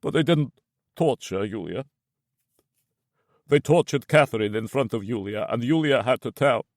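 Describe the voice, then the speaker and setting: A man's voice: mid-range voice, animated, moderate pace, dry recording, studio quality, lightly acted. A man voicing a hollow-voiced, white-haired old man. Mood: grim, hollow. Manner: dull, lifeless, quiet delivery. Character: grim older man with white hair, quiet and hollow.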